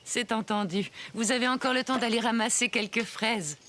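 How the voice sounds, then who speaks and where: A woman voicing a kindly, attentive mother in a preschool cartoon, gentle and reassuring with a sing-song delivery. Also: a little high, moderate pace, noisy background, close to an everyday voice. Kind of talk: dubbed preschool cartoon acting. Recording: music under the voice.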